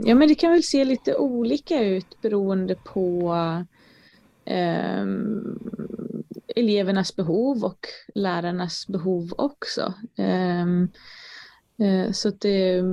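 A woman's voice: medium pitch, creaky, warm tone, no echo, lo-fi sound. A woman speaking as a researcher in a conversational interview, explaining her field in a hesitant, thoughtful way. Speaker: education researcher, interview guest.

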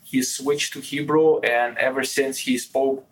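A man's voice: mid-range voice, fairly even intonation, unhurried, low-quality recording. A middle-aged man with a heavy Russian accent, from the Soviet Union and raised in Israel, chatting as a guest with friendly, repetitive phrasing. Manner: friendly, chatty, repeats words while thinking. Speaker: guest, engineering professor. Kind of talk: conversational interview.

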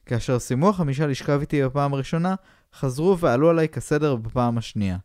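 Deadpan man reading a pulp novel aloud. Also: medium pitch, clear, resonant tone, dry recording, studio quality. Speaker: podcast co-host reading aloud.

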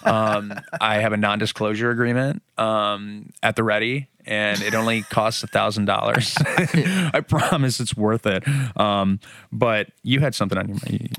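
A man's voice: lowish voice, a little slow, gravelly, a bit bright, no echo. A man in his late twenties interviewing a band in a casual, joking way, swearing freely and laughing often. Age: 20s.

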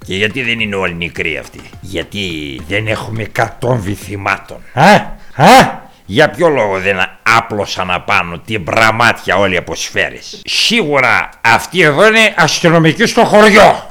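A man's voice: on the low side, very animated, pushed and bright, soft background music. A man playing a blunt, boastful rural uncle with a rural Epirus accent, who swears freely and tells tall tales in an improvised comic monologue. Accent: rural Epirus Greek. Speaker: comic character reacting to videos.

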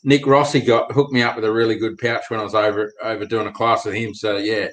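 A man chatting in loud, matey banter with friends, blokey and slangy, swearing casually. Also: lowish voice, flat delivery, fast talker, rough recording.

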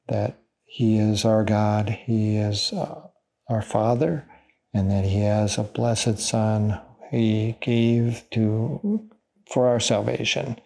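A man speaking about his family's faith in a steady, solemn way. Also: lowish voice, creaky. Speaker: church member and family man giving a testimony. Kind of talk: personal faith testimony.

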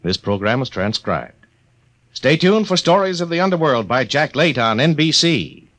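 A man's voice: medium pitch, sing-song, normal speed, fairly bright tone. A man making a formal network announcement, heard from an old broadcast transcription disc.

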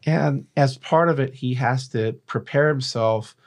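A man's voice: mid-range voice, unhurried. Male podcast co-host, mid-range voice, casual and rambling, explains at length, swears freely. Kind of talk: casual chat.

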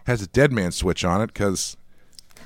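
A man's voice: fairly low pitch, normal speed, no room sound. A man co-hosting a podcast in casual chat, hesitant and often restarting his sentences. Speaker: podcast co-host.

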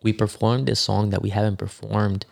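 A man, a rapper and musician, telling stories in a relaxed casual interview, with many fillers and restarts. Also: lowish voice, moderate pace, gravelly. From United States.

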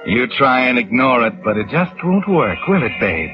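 A man's voice: medium pitch, sing-song, moderate pace, natural voice. Man as creepy knowing storyteller, old radio suspense, swoopy dramatic delivery w music behind, muffled. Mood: ominous, insinuating. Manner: insinuating, dramatic. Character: ominous, knowing male storyteller addressing the doomed woman. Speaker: narrator. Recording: dull vintage radio recording.

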